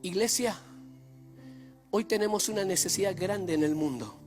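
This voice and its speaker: High-pitched male preacher, emphatic church sermon, soft music underneath. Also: normal speed. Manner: emphatic, swings between loud and hushed. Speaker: pastor.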